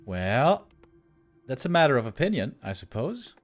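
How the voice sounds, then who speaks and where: A man giving live esports commentary on a strategy game match, casual and conversational, swinging between musing and excited exclamations. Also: mid-range voice, normal speed, soft background music. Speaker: esports caster.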